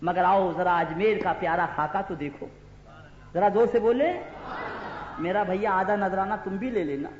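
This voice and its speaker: A man preaching an impassioned sermon, urging the crowd to respond and rising to shouts. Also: high-pitched, a little hiss or hum. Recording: echoey hall, muffled lo-fi sound.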